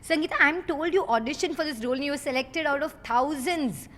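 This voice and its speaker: A woman's voice: high voice, quick pace, fairly bright tone. A woman hosting a conversational celebrity interview in an effusive, complimentary way. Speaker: interviewer, host. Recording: reverberant hall with background noise.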